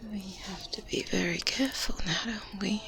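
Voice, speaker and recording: A woman playing a brisk, secretive, faintly condescending good witch in a soft, breathy, whispered ASMR roleplay. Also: mid-range voice, very noisy, natural voice. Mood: secretive, wary. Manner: slow, deliberate, hushed, commanding.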